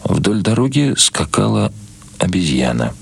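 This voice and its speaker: A man's voice: sits low, big pitch swings, measured pace, gravelly, husky. A man reading scripted literary prose as the narrator of a radio production. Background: loud music.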